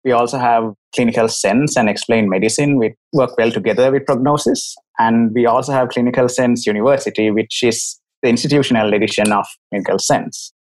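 A man's voice: mid-range voice, steady tone, a little fast, hardly any pauses, low-quality recording. A man in his thirties from Sri Lanka with a Sri Lankan accent, a doctor guest telling his story frankly and articulately over a video call. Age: 30s. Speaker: doctor and company CEO, guest. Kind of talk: casual interview.

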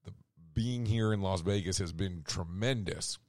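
Hoarse guy doing a news talk show, low-ish voice, dry sound, keeps correcting himself and cracking sarcastic asides. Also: a little slow, darkish tone, no room sound. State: hoarse, losing his voice. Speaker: radio show host. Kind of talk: casual news commentary.

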